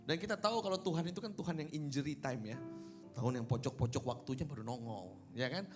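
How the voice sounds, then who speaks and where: A man's voice: medium pitch, fast, over music. A man preaching a conversational, joking sermon, often checking with listeners through rhetorical questions. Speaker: pastor, preacher.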